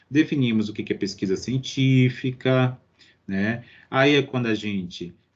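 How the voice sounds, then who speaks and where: With ordinary pitch variation, a man in an ordinary speaking voice keeps to a moderate pace. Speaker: university lecturer. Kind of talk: lecture.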